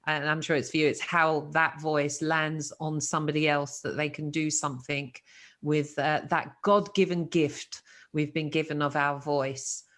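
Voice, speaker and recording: A woman hosting an interview, encouraging and quick to laugh. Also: sits low, little pitch movement, a bit bright. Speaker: interview host. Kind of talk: casual interview chat.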